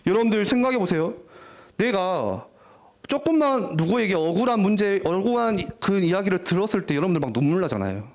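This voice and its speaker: A young man preaching a lively, jokey youth sermon in a church, often acting out teenagers' voices. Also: sits high, a little fast. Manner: animated, jokey, acts out teen voices. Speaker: youth pastor. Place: church worship hall.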